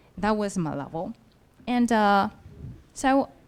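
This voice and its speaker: A woman with a Chinese accent and a medium pitch speaks at a fairly slow pace. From China. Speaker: conference speaker. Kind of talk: conference talk. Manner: hesitant, with fillers.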